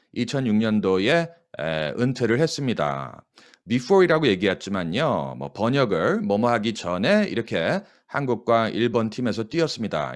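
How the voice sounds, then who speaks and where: A Korean man teaching English by reading news sentences aloud, dwelling slowly on each phrase before explaining it briskly. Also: mid-range voice. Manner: coaching, asks listeners to repeat after him.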